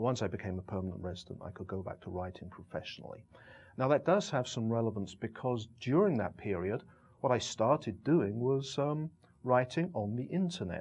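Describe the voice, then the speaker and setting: Against a quiet background, a man with an English accent talks fairly quickly with lively intonation. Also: medium pitch for a man. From England, outskirts of London. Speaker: editor of a local news site, journalist. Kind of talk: talk to students. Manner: conversational.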